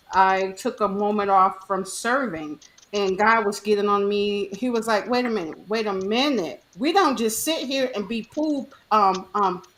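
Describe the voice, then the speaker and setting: Noticeable background noise sits behind a woman speaking at a medium pitch with ordinary pitch variation. Her tone is animated, her pace fairly slow. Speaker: small business marketing advocate. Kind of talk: casual panel chat.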